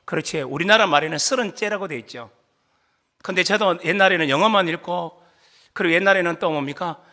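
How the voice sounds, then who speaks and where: High, bright-voiced male pastor preaching. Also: fairly quick. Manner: animated preaching, rising to shouts for emphasis; asks the congregation questions and leads group reading. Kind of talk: sermon.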